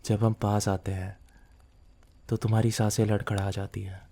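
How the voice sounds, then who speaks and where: Man playing a dark-voiced, possessive mafia boss boyfriend. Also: on the low side, flat delivery, normal speed. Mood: possessive, intense. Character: possessive, dominant male mafia boss boyfriend, teasing and obsessive. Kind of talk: intimate ASMR roleplay.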